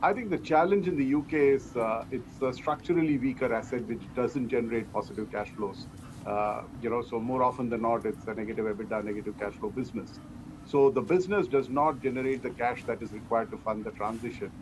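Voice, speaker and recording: A company executive answers interview questions in a measured, explanatory way, his voice pitched in the middle range. Background noise is clearly audible.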